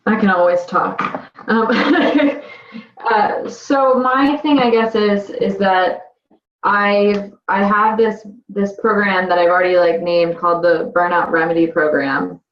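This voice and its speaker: A woman coaching client speaking haltingly with many restarts and nervous laughs. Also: mid-range voice, fairly even intonation. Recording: dull echoey call audio.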